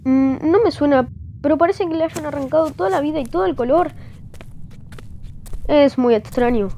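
High-pitched young fox boy sidekick voiced by a woman. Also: moderate pace, creaky, warm tone, slight background noise. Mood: puzzled. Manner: earnest, explanatory. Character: young male fox sidekick, earnest, curious. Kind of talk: Latin American fandub of game cutscenes.

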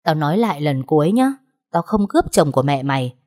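A woman voicing a spiteful middle-aged stepmother in an audiobook story, speaking in a shrill, abusive, scornful way. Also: big pitch swings, quick pace, darkish tone, dry recording, clean studio sound. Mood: furious. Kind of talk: audiobook narration.

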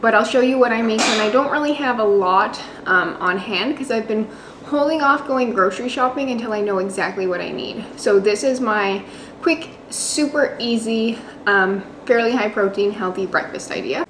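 A woman fitness vlogger chats casually in her home kitchen, explaining what she's making as she goes. Her voice is mid-range, with slight background noise in the clip.

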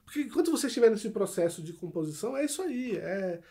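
A man's voice: high voice, sing-song, gravelly, warm tone, husky. Brazilian man telling studio stories. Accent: Brazilian Portuguese. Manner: rambling, halting, full of restarts and anecdotes. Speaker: musician, arranger and producer guest. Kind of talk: casual podcast conversation.

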